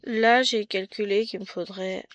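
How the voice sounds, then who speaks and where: With no room sound, a middle-aged woman from France speaks in a mid-range, fairly even voice, a little slowly, about her stitching. She rambles casually, teasing herself amid frequent asides and restarts.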